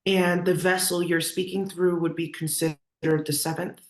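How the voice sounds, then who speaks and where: A woman's voice: lowish voice, flat delivery, moderate pace. Echoey, casual woman interviewer. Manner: hesitant, rewording questions as she goes. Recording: echoey, roomy sound.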